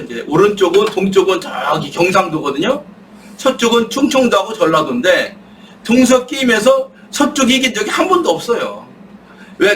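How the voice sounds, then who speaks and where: Emphatic high-voiced man speaking from a distance. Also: slight background noise. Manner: rhetorical, asks and answers his own questions; emphatic, rising to shouts when worked up. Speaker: guest speaker. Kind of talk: impassioned political talk. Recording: distant mic with faint room ambience.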